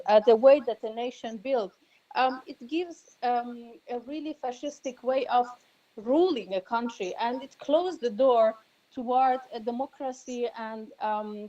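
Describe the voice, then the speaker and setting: A woman activist speaking on a panel, a native Arabic speaker, pausing often with many ums and restarts. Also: a little high, warm tone, rough recording. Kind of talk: panel talk.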